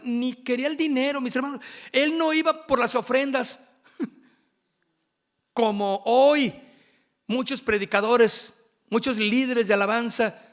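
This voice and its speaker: High gravelly preacher. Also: male voice, a bit bright. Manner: emphatic, drawn-out phrasing with asides. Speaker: worship workshop speaker. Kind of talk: preaching at a workshop.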